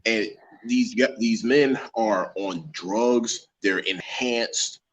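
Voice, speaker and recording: Low-pitched man giving casual opinions. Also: slow pace, lo-fi sound. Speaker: podcast co-host.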